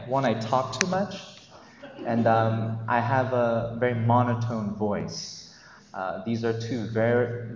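A man's voice: medium pitch, a little hiss or hum. A man in his thirties giving a commencement speech as a teacher at a podium mic in a large hall, hesitant and nervous with many ums. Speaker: commencement speaker, math teacher. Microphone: podium microphone. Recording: echoey hall, dull lo-fi sound.

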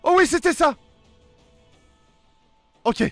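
High-pitched, animated man playing a game. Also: takes it slowly, no echo, soft background music. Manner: exclamatory, reactive, talks to himself. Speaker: gaming video host. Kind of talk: excited let's play commentary.

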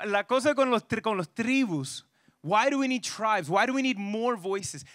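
Bright-voiced man leading a parenting workshop. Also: sits high, no echo, studio quality. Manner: restates each point twice, switching back and forth; asks the audience questions. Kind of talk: church parenting workshop talk.

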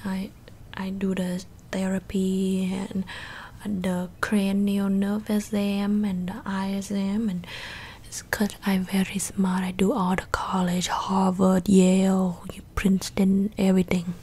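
A woman's voice: medium pitch, flat delivery, takes it slowly, dark tone, a little hiss or hum. A young woman in a whispered role-play, voicing a blunt, boastful makeup doctor with a put-on Asian accent and broken English. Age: young adult. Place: small bedroom indoors. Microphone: close desktop microphone with foam cover.

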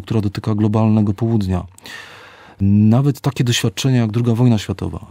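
A middle-aged man, an author and psychologist, giving reflective, measured interview answers and slowing down to stress key words. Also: on the low side, warm tone, no echo.

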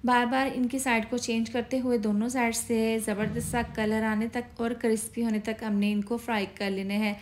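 A woman's voice: on the high side, normal speed, few pauses, a little hiss or hum. Pakistani woman narrating a recipe. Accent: Pakistani Urdu. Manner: steady step-by-step instructing. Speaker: cooking channel host. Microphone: voice-over.

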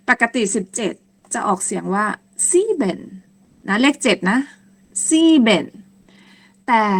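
Woman teaching very slowly, repeating words. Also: mid-range voice, vocal fry, fairly bright tone. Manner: slow, patient, repeats each word several times. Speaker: language teacher. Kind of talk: teaching German numbers in Thai.

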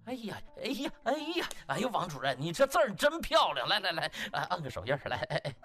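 Man acting smug brash young doctor, very animated. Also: high voice, fast, over music. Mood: gloating. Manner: gloating, chuckling, exaggerated exclamations. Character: smug, brash young male doctor, mocking and fake-friendly. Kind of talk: comic audiobook character acting.

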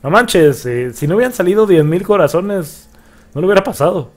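A young man giving excitable let's play commentary, cursing and yelping at the game as he plays. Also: high-pitched, fairly quick. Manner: excitable, swears and yelps at the game. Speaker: gaming YouTuber.

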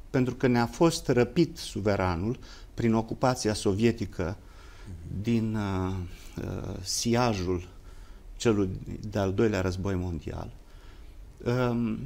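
Gravelly man with lofty academic phrasing. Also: mid-range voice, a little mellow. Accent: Romanian. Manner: elaborate, lofty academic phrasing with long pauses. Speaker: political commentator guest. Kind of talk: formal political discussion.

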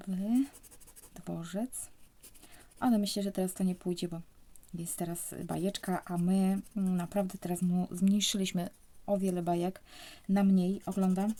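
A young woman from Poland speaking softly, often almost whispering, as she scratches lottery tickets and comments casually. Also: fairly low pitch, steady tone, unhurried.

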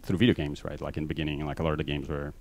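Fast-talking Brazilian man, deep voice. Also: flat delivery. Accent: Brazilian Portuguese mixed. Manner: fast, filler-heavy, self-deprecating. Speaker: conference speaker. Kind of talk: conference talk. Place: large conference hall stage. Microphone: handheld mic.

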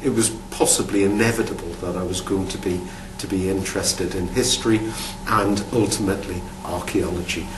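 A man's voice: low-pitched, steady tone, a little fast. A man in his fifties from Newcastle with a Geordie accent, an archaeology professor answering interview questions to camera in a thoughtful way, often restarting and repeating words. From Newcastle upon Tyne, England. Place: studio with dark backdrop. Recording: roomy, distant mic, faint hum.

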